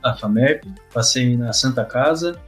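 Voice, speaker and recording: A man's voice: mid-range voice, unhurried, faint music behind. A young man from São Paulo state giving a brief self-introduction as an approved medical student. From São Paulo state, Brazil. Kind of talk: short testimonial.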